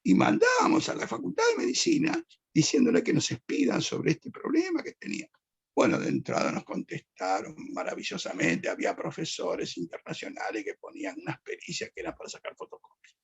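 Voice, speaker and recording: Older judge, gravelly rasp, lively rambling storyteller. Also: male voice, very high-pitched, a little fast, highs cut off. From Argentina. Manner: reminiscing, digressive, self-correcting. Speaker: judge, interview guest. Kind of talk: anecdotal interview answer.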